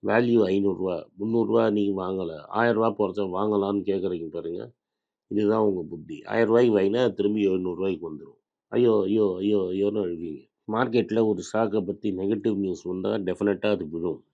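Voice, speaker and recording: Blunt gravelly man scolding investors. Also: fairly low pitch, quick pace. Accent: Tamil Nadu. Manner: blunt, scolding, mixes English words into Tamil. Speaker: finance commentator. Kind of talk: motivational talk on investing. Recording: dull lo-fi sound.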